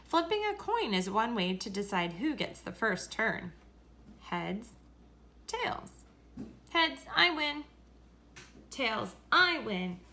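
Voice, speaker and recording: A woman reading a children's story aloud in a deliberate, expressive way. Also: fairly high pitch, slight background noise. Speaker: story reader.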